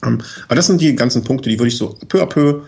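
Medium in pitch, fast, and creaky with a breathy edge, this guest's voice carries his practical bicycle advice through a casual chat. He walks through things step by step, relaxed, with frequent "ne?" checks and fillers.

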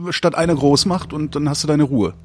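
A man's voice: on the high side, brisk, a little hiss or hum. A man from Cologne hosting a casual conversation, asking curious follow-up questions. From Cologne, Germany. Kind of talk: casual interviewing.

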